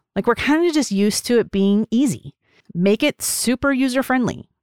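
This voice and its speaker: A woman talks fairly quickly with very wide pitch swings. The sound is dry and close with no echo, on a very clean recording with a silent background. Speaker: women's Bible teacher podcast host. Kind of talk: Bible teaching talk. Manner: fast; casual.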